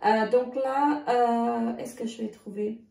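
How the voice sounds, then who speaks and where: A woman talks through her groceries in a halting, filler-heavy way, her voice gravelly and losing strength. Her tone is mellow and a little high. She sits back from the mic in an echoey room. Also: steady tone, recorded from a distance. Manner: hesitant, many filler sounds, halting restarts. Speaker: vlogger. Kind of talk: casual grocery haul vlog.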